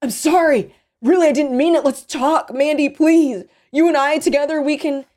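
A woman's voice: a little high, very animated, fairly quick, darkish tone, slightly rough, voice pushed up. A woman voicing a panicked young male captive in a storybook, exclaiming and pleading in disbelief.

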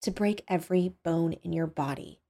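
A woman reads as a storybook villainess, a young woman who has come unhinged. She drifts along in a dreamy, quiet menace, then breaks into furious, vengeful outbursts. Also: high-pitched, expressive, moderate pace, voice pushed up, full character voice.

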